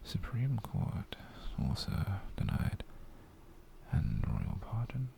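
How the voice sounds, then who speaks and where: Male actor as British yandere lover, ASMR roleplay: slow half-whisper, coaxing, theatrical, clingy and quietly menacing. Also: on the low side, huge pitch swings, vocal fry, full character voice. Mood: teasing, possessive. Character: possessive, doting, menacingly sweet yandere boyfriend.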